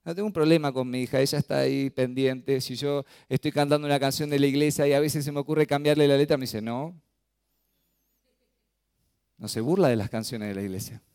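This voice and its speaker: A man preaching a sermon as pastor, expressive and acting out the voices he quotes. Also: medium pitch, quick pace, few pauses, clear, resonant tone, no room sound, studio quality.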